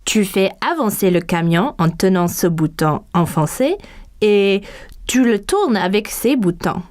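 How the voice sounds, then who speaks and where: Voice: medium pitch, animated, a little slow, lightly acted. An actor voicing a friendly, careful grown-up toy-shop helper in a French cartoon dub, with music behind. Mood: friendly, cautioning. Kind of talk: French-dubbed preschool cartoon acting.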